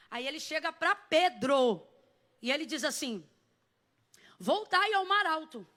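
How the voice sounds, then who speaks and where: A woman with a Brazilian accent preaching a sermon from a church stage to a congregation, speaking into a microphone and often shouting emphatic questions and calls. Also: high-pitched. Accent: Brazilian Portuguese. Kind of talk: Pentecostal sermon. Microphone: handheld or headset microphone with compressor.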